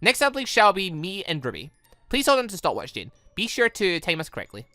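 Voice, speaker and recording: A woman voicing an earnest, clinical robot girl in a game, with precise, formal, measured speech. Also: on the low side, wildly swooping pitch, bright, forceful tone, dry recording, soft background music, heavily acted.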